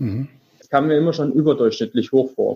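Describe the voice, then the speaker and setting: Fairly high-pitched man's voice, moderate pace, ordinary pitch variation. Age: 20s. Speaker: private investor, former construction worker. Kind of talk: casual chat. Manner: hesitant, many filler sounds.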